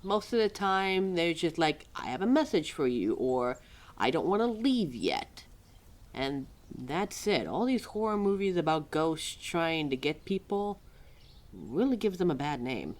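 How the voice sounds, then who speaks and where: A woman playing a quirky, exasperated, motherly keeper of forgotten lore in an ad-libbed audio roleplay, chatty and wry with halting, musing asides. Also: low-pitched, very animated. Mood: informative, amused. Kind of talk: ad-libbed ASMR-style roleplay, talking to a listener.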